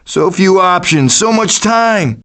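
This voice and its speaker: A man plays the wisecracking, cocky raccoon who leads a pack of foraging animals, with a glib, sarcastic animated-game delivery. He speaks high and slowly, heavily acted.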